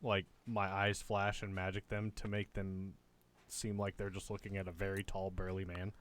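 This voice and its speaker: Low-pitched man playing a tabletop game. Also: completely flat delivery, moderate pace, fairly bright tone. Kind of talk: casual in-character roleplay and table chat.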